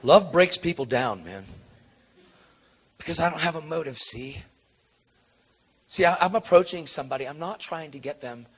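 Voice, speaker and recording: Animated man preaching with a story. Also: moderate pace, pauses often, slightly rough. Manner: animated, acts out quotes with big jumps in pitch and volume; drops to a low, soft, earnest tone for tender moments. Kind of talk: sermon storytelling.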